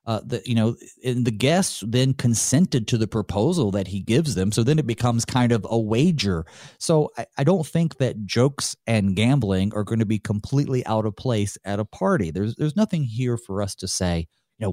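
Guy pastor doing a bible study solo, kinda low voice, chatty, thinks out loud. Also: big pitch swings, normal speed, no echo, studio quality. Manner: conversational, thinks aloud with light chuckles. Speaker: pastor and host.

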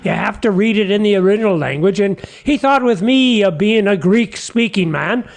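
An actor playing a humble, folksy fisherman apostle in a comic radio sketch, earnest and chatty, halting over his words. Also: sits high, vocal fry. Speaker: guest character.

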